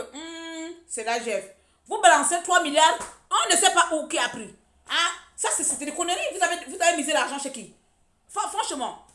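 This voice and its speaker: A woman's voice: high-pitched, a bit bright. A woman from Gabon, an activist ranting sarcastically and scolding on a live stream. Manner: mocking, scolding, repetitive. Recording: echoey room.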